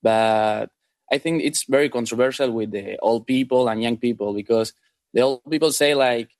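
Young male guest, Argentine Spanish accent, mid pitch, halting phrasing, dry recording. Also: a little mellow, no echo. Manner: halting, non-fluent English. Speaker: interview guest, event organiser.

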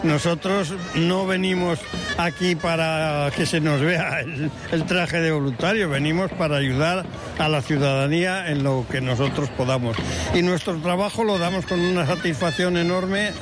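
A man's voice: on the high side, fairly even intonation, moderate pace, music in the background. A man volunteer answering a street interview sincerely and plainly.

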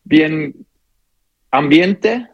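A young man, a footballer, answering interview questions in halting, speech with many pauses and fillers. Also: a little high, lively intonation, breathy edge, dry recording, lo-fi sound. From Austria. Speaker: footballer guest.

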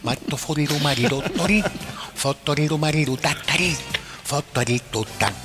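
A man's voice: fairly high pitch, normal speed, lightly acted. A man voicing a cheerful male song inventor who hums tunes in made-up syllables. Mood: singsong. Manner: hums melodies in nonsense syllables. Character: nonsense-singing male song inventor, chirpy. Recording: reverberant with music behind.

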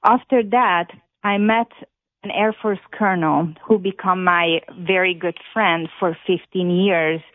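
A woman's voice: fairly low pitch, fairly even intonation. Hungarian woman calling in by phone. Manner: earnest, halting with many fillers. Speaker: caller. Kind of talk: call-in radio talk. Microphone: telephone. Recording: tinny phone line.

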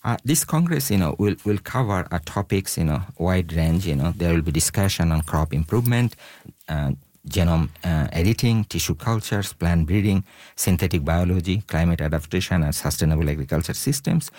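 A man's voice: deep voice, expressive, fairly quick, a little mellow, dry recording. A man, a scientist speaking as a radio interview guest, earnest and full of "you know" fillers. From Bangladesh. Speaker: scientist, event organizer.

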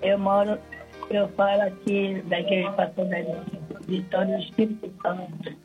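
A Brazilian woman talks casually as a caller to a religious radio show. Her voice comes through a dull, narrow phone line. Music plays clearly behind her. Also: mid-range voice, flat delivery, normal speed. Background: music bed.

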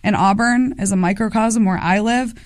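A woman's voice: mid-range voice, normal speed, no room sound, clean studio sound. A woman in her thirties, a congressional candidate, answering policy questions in a radio interview with assertive talk. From United States. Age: 30s.

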